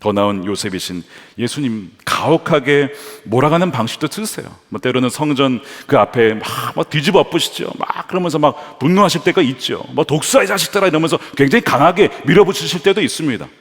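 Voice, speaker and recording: A man's voice: expressive, a little fast, hardly any pauses. A man preaching a sermon as a pastor, dramatic, acting out the voices of the people in his story. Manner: dramatic, acts out quoted voices with big pitch swings. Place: large church sanctuary. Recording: reverberant church hall.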